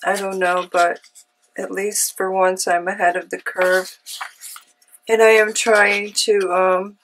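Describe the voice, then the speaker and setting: A woman with a cold hosting a casual craft tutorial, chatty and unhurried, with frequent ums. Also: medium pitch, little pitch movement, a bit bright, slight background noise, poor audio. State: has a cold. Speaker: craft channel host. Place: home craft room.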